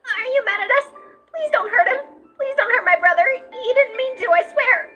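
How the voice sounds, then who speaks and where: A performer voicing a timid, gentle skeleton boy in an animated comic dub, pleading and anxious. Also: extremely high pitch, moderate pace, dull audio, faint music behind. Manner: pleading, emotional.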